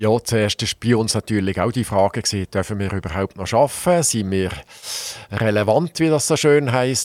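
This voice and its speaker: In a very clean recording with a silent background and a dry, close sound with no echo, a man with a Basel accent speaks at a fairly low pitch and a moderate pace with lively intonation. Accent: Basel Swiss German dialect. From Switzerland, Basel-Landschaft. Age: 60s. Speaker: veterinarian and municipal president. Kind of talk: radio interview.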